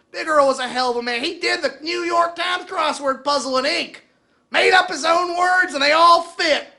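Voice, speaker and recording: A man's voice: very high-pitched, creaky, pushed and bright, exaggerated voice. A man playing an earnest, folksy hunter, delivering an emphatic comic eulogy. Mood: proud, emphatic. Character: earnest good-old-boy hunter eulogizing his buddy.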